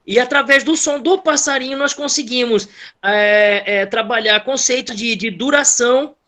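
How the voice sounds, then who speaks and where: A man's voice: very high-pitched, normal speed, bright, forceful tone. Hesitant male teacher on a video call. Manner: hesitant, many fillers and restarts. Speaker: school music teacher. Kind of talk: sharing a classroom experience.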